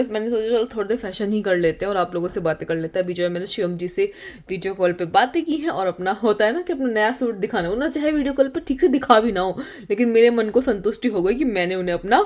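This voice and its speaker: A young woman vlogs from indoors at home, chatting casually with her viewers and repeating words for emphasis. Her voice is mid-range and a little mellow.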